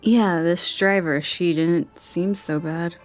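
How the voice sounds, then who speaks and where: A woman acting as a caring, searching young niece, hesitant and gently pleading, in a naturalistic audio drama. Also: fairly low pitch, fairly even intonation, slow, soft background music. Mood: tentative.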